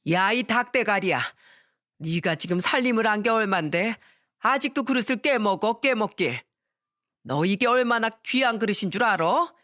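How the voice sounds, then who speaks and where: A storyteller voicing a harsh, scolding old grandmother who berates her daughter-in-law in a shrill voice. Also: animated, moderate pace, fairly bright tone, no echo, clean studio sound, lightly acted.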